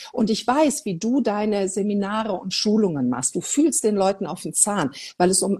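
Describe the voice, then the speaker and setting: At a moderate pace, a woman speaks with a fairly high pitch and a somewhat breathy sound. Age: 50s. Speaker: early childhood attachment advocate. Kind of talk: casual chat.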